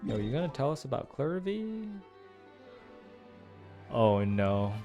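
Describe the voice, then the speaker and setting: A man's voice: mid-range voice, sing-song, slow pace, mellow, faint music behind. A man giving casual, musing playthrough commentary and analysis, repeating phrases for emphasis. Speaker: gaming streamer reacting to a story quest.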